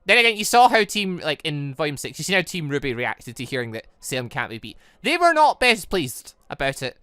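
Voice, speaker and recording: Animated bright-voiced man, gaming commentary. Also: fairly high pitch, fairly quick, clean tone, no echo. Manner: stumbles over words and corrects himself. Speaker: gaming channel host. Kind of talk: visual novel read-aloud with off-the-cuff commentary.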